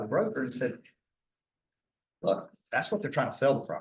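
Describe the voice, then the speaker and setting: A man speaks in a somewhat breathy voice. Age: 60s. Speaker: property appraiser representing an owner. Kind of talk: public hearing testimony. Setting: public board meeting. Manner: halting, repeats words.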